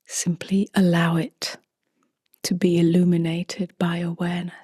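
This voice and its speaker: A woman speaks as a meditation teacher, very slowly and softly. Her voice is lowish, mellow and breathy, close to a whisper, with calm, spacious gaps between short phrases. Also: dry recording. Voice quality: soft, breathy, half-whispered. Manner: slow, calm, gently spaced phrases. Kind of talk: guided meditation.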